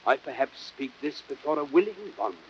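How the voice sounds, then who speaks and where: A man's voice: mid-range voice, lively intonation, a little fast, highs cut off, lightly acted. A man playing a bitter, persuasive Roman nobleman who plots, in declamatory, impassioned classical Shakespearean style. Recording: noisy old audiodrama record.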